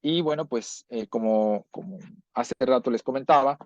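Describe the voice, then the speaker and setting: A man's voice: medium pitch, normal speed, darkish tone, dry recording. A man giving an online language class, explaining patiently and often checking understanding with short tag questions. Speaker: language teacher. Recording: dull, lo-fi audio.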